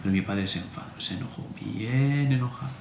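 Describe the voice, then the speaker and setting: A man, a priest, telling a personal story in an animated way and acting out remembered conversations. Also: mid-range voice, a little fast. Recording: roomy echo, faint room hum.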